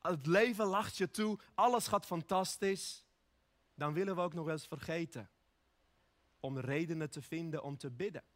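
A man from Armenia preaching an earnest, personal sermon, slowing down when he speaks prayers. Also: fairly high pitch.

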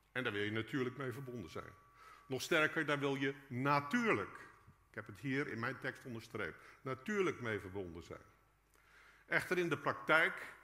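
A man preaches a reflective sermon, turning to the congregation as he goes. His voice is bright and forward, and a long cathedral-like echo rolls behind every phrase in the church. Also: medium pitch. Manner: reflective, addresses the congregation directly. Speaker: lay preacher. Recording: long echoing church reverb.

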